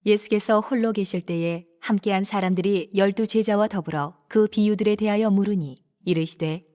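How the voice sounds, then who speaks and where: A woman narrating scripture in a steady, even scripted reading. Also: medium pitch, normal speed.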